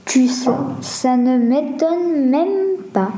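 A nervous, stammering teenage girl, voiced by a woman reading aloud. Her voice sits high and hesitant over a dark, mellow tone. The room adds a roomy echo. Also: lively intonation, very slow, slight background noise, heavily acted. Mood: worried. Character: red-haired teenage girl Lenny, nervous and ironic.

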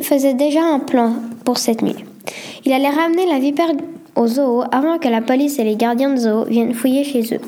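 A woman reading a children's story aloud at a steady pace, now and then tripping over a word. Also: sits high. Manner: steady reading with occasional slips.

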